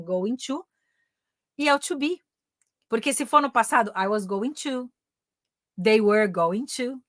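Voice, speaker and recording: A woman whose first language is Portuguese, teaching an English grammar lesson online in a lively, chatty way, often checking in with "ok?" and slowing down to spell out English example sentences. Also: on the high side, no echo, clean studio sound. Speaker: English teacher and career mentor.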